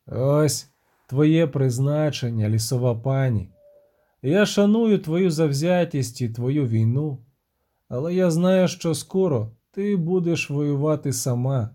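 A man voicing a weary, grim middle-aged witcher, speaking in a measured, dry and somber way in a storybook reading. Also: a little high, mellow.

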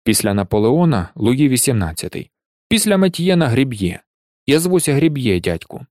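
A man voicing a gaunt, gloomy Parisian gravedigger who speaks low, quiet and self-important, in an audiobook. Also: big pitch swings, moderate pace, no room sound, studio quality, natural voice. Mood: curt.

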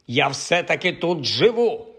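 A man's voice: a little high, very animated, unhurried, a bit bright, voice pushed up, heavily acted. A man reading an audiobook, voicing a vain, sulky young male wizard who complains irritably. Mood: irritated. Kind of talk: audiobook character voice.

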